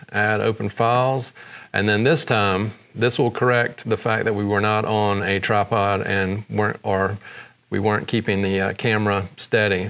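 A man hosting a photography software tutorial, explaining each step in a relaxed way with frequent fillers. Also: lowish voice. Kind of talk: screen-recorded software tutorial.

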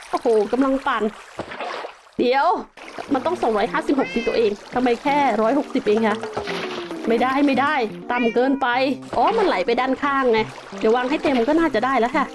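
A young woman giving casual, excitable gameplay commentary as a game host, full of exclamations. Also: high-pitched, a little fast, noisy background.

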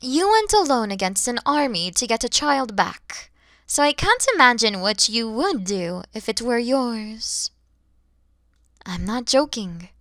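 A woman voicing a kind, motherly mature dragon in an ASMR roleplay, speaking softly and breathily with tender, soothing warmth. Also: on the high side, animated, unhurried, no echo, studio quality. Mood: grateful, gentle. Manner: soft, breathy, soothing, often near-whispered.

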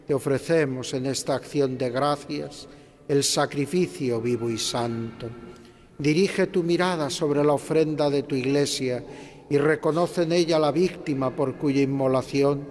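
A middle-aged man, a priest, reciting liturgical prayers in a slow, measured, solemn way at an altar microphone in a large cathedral. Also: medium pitch, a little mellow. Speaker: priest celebrating Mass. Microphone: stand microphone at the altar. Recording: cathedral reverb, faint ambience.

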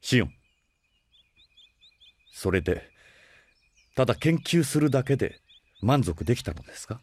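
Gentle older brother, formal, gently scolding, animated intonation, dry recording, audio drama. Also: male voice, medium pitch, measured pace, breathy edge, no room sound. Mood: concerned, reproving. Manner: formal, polite, gently lecturing. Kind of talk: Japanese audio drama acting.

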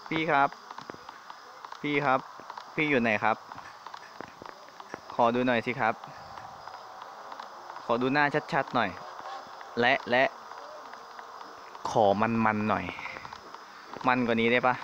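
A man's voice: medium pitch, slow, long pauses. A man giving nervous, jokey commentary while playing a horror game, often blurting out exclamations. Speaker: gamer. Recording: dull lo-fi mic with insect noise behind.

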